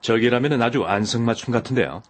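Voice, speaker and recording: A man's voice: mid-range voice, fast talker, natural voice. A man voicing an easygoing tall workman. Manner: relaxed, hesitant fillers. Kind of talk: audiobook dialogue.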